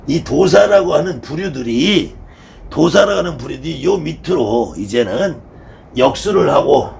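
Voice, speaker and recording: A man's voice: fairly high pitch, creaky, slight background noise. A man teaching shamanism students in an informal lecture, blunt and conversational, repeating key words for emphasis. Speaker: shamanism instructor.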